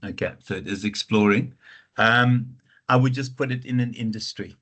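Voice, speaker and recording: Lowish-pitched South African man with Afrikaans accent. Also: moderate pace, a bit bright. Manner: informal, teasing, thinks aloud. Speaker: university lecturer advising students on research proposals. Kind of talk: informal online teaching consultation.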